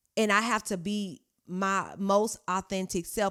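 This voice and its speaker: A woman with an American accent speaks in an animated tone on a very clean recording with a silent background. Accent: Dallas Oak Cliff accent, sometimes masked. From Texas, Oak Cliff (Dallas). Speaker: podcast host, mother. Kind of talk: motivational podcast monologue. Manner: animated, repetitive false starts; code-switching, polished delivery.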